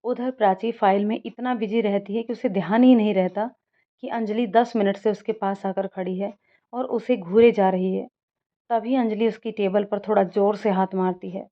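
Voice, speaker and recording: A woman narrating a story in a steady, gentle scripted storytelling style. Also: medium pitch, moderate pace. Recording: dull lo-fi recording.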